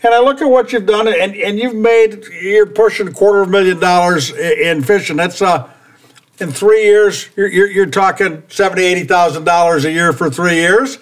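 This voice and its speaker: High-voiced stammering man hosting an interview. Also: moderate pace. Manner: rambling, stammers and repeats words, folksy. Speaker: podcast host. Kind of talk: casual interview chat.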